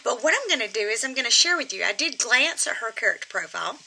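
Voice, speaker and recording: A woman gives an informal lesson as a comic ventriloquist. Her voice is fairly high and strikingly bright, with lively rises and falls, and she talks in a chatty way that wanders into asides. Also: fast, creaky, poor audio. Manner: chatty, digressive, addresses her puppet. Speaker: comic ventriloquist teaching puppetry. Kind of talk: informal instructional talk.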